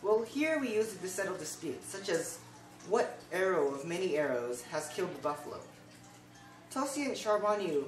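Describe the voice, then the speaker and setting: A young woman playing a stern, measured male tribal chief in an amateur puppet show, with a deliberate storytelling delivery. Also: mid-range voice, darkish tone, close to an everyday voice. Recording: roomy, distant home recording.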